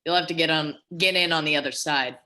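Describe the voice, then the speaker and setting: Woman as a bright-voiced, unbothered cop. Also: sits low, fast talker. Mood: matter-of-fact. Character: matter-of-fact, unbothered auto pound policeman. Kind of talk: amateur virtual table read.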